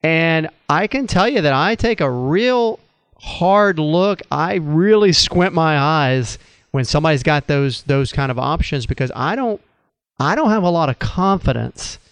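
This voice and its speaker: Male host, measured and thoughtful, crisp dry voice. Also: a little high, expressive, dry recording. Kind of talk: conversational interview on retirement finance.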